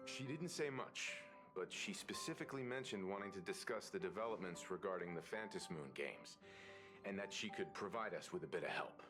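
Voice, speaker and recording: An actor playing a calm, courteous, mature advisor in a video game, measured and articulate. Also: male voice, low-pitched, music in the background. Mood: thoughtful.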